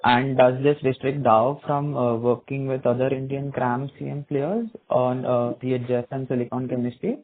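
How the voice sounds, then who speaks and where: Male analyst, mid-pitched, slightly stumbling as he puts questions over a tinny phone connection. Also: steady tone, moderate pace, hardly any pauses. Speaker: stock broking analyst asking questions. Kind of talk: spontaneous conference call questioning. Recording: narrow phone-like call line.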